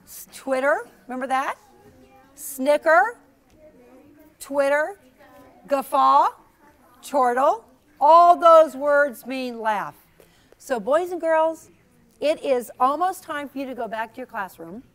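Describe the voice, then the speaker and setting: A woman storyteller talking with young children in an encouraging, animated, teacherly way, asking questions and praising. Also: sits high, takes it slowly, long pauses.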